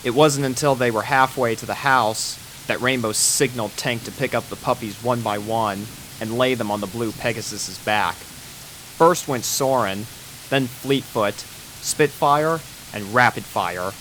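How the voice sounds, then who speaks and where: A man narrating a fan-written pony story in a steady storybook manner. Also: mid-range voice, unhurried, a little hiss or hum, rough recording. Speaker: fanfic reader.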